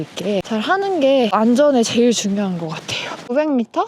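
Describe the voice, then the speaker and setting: A woman talks at a moderate pace in a high pitch, with very wide pitch swings. Noticeable background noise runs underneath. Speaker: hiking vlogger. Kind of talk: vlog narration while hiking. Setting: outdoors on a mountain trail. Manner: casual, chatty.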